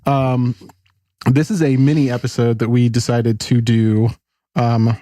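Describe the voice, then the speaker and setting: A man's voice: mid-range voice, little pitch movement, unhurried, dark tone, no echo, studio quality. A man co-hosting a podcast in casual chat, hesitant and full of ums and self-corrections. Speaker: podcast co-host.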